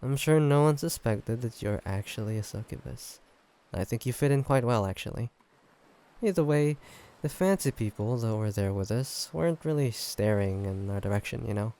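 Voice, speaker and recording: A man playing an affectionate, teasing boyfriend in a roleplay audio drama, talking casually and haltingly with a slightly gravelly voice. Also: mid-range voice, lively intonation, lightly acted. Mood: relaxed, chatty. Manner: casual, halting, gently teasing, chuckling delivery. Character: affectionate, teasing human boyfriend on a fancy date. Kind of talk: roleplay audio drama, intimate one-sided conversation.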